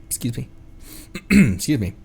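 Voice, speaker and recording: A streamer giving casual, excitable live commentary on a game, exclaiming and often repeating phrases. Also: mid-range voice, measured pace, vocal fry, slightly rough. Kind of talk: casual gameplay livestream commentary. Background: video game music.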